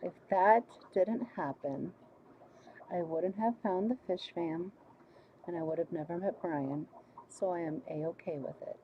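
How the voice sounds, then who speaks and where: Woman hosting a chill livestream, small squeaky voice that sits kinda low, laughs a lot, reads out comments, slightly muffled lo-fi audio. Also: unhurried, a little hiss or hum. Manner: chatty, laughs easily, reads viewer comments aloud. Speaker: livestream host. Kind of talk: casual livestream chat.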